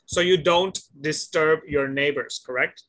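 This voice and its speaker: A man's voice: fairly high pitch, fairly even intonation, unhurried, a bit bright. A man teaching a one-on-one English conversation lesson over a video call, patiently asking simple questions, repeating and correcting the student's answers and praising her often. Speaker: English tutor.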